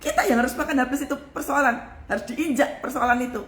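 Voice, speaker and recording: Woman pastor, high voice, hard-hitting emphatic sermon delivery, echoey room. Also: steady tone, quick pace. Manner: forceful, emphatic preaching. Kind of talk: live devotional sermon.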